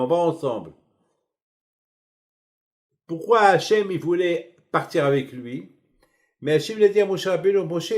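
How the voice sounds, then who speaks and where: A middle-aged man giving a sermon as a rabbi, telling stories in a lively, colloquial way. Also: a little high. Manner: animated, colloquial storytelling.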